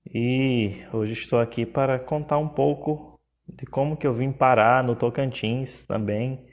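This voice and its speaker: A young man from Pernambuco, a Catholic priest with a Pernambuco accent, speaking on a livestream in a measured, hesitant way. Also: mid-range voice, fairly even intonation, dull audio. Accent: Pernambuco Portuguese. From Pernambuco, Brazil. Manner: slow, measured, with frequent hesitations. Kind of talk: livestream talk.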